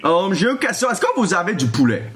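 A young man with a high voice and a Quebec French accent. He talks casually, in the bantering style of a prank caller hosting a video. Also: big pitch swings, fast talker, very noisy. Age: young adult. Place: small room indoors.

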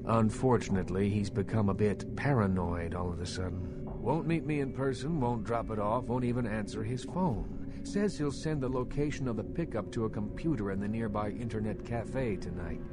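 An actor playing a middle-aged vampire baron in a video game, measured, businesslike and self-assured. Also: male voice, lowish voice, lightly acted. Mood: measured, authoritative. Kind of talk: video game dialogue acting. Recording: game audio with loud music behind.

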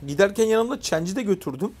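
Man, gamer, live match commentary, casual chat, excited calls to teammates, light swearing. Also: high-pitched, quick pace. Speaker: gaming YouTuber.

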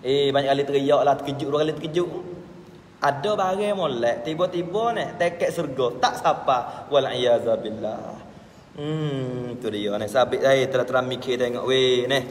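A man with a Patani Malay accent preaching a sermon as a religious teacher, dropping now and then into low murmured asides. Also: moderate pace, a little hiss or hum. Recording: echoey hall with faint ambience.

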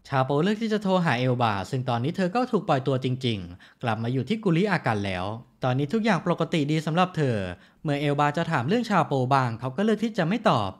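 A man's voice: fairly high pitch, sing-song, fast, few pauses. A man narrating a TV series recap in a chatty, casual storytelling way, with polite sentence endings.

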